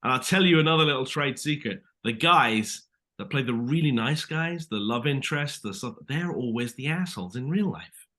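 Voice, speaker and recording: Bright-voiced British actor, animated. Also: male voice, mid-range voice, normal speed. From Britain. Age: 30s. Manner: animated storyteller, acts out quotes. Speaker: actor guest. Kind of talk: casual interview chat.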